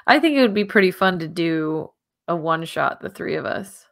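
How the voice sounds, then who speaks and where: A woman's voice: lowish voice, lively intonation, normal speed, vocal fry, no room sound. Woman co-host, dry close sound. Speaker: podcast co-host. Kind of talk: casual livestream chat. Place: living room at home on a video call.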